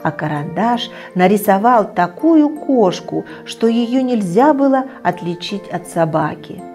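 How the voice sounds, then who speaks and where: A woman's voice: medium pitch, a little slow, soft background music. Middle-aged woman reading a bedtime story. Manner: gentle, expressive reading. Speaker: children's TV storyteller. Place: indoor TV studio set, children's room.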